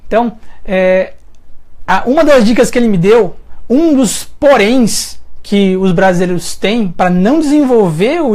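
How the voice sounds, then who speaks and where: A Brazilian woman with a Brazilian Portuguese accent and a fairly high voice, hosting a relaxed live chat. She talks informally straight to her viewers, pausing often and restarting sentences as she thinks aloud. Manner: chatty, thinks aloud with frequent hesitations and restarts; addresses viewers directly, friendly and informal. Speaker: live-stream host reading viewer questions.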